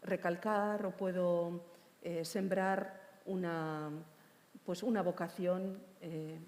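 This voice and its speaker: Low-voiced woman poet in a reverberant hall. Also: steady tone, darkish tone. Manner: measured, hesitant with many fillers. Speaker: poet on a panel. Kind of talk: panel discussion. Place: large hall with long reverb.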